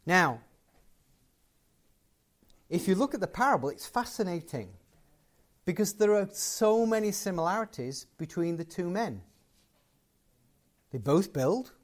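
A man's voice: high-pitched, big pitch swings, a little slow, pauses often. A man giving a closing sermon and prayer to a live gathering, conversational and building to emphatic points. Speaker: guest preacher.

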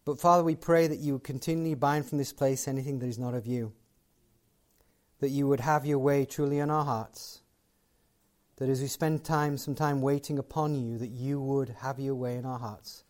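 A man's voice: medium pitch, fairly even intonation, moderate pace, darkish tone. A man giving a closing sermon and prayer to a live gathering, conversational and building to emphatic points. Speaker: guest preacher.

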